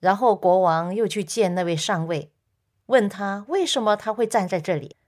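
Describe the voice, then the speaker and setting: A woman hosting a Christian radio program, telling a story softly and earnestly and speaking directly to her listeners. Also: mid-range voice, lively intonation, moderate pace.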